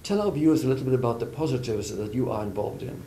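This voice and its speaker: A man's voice: mid-range voice, expressive, quick pace, dark tone, a little hiss or hum. A man hosting a TV interview show, asking questions in a formal, polite way, addressing his guest as sir.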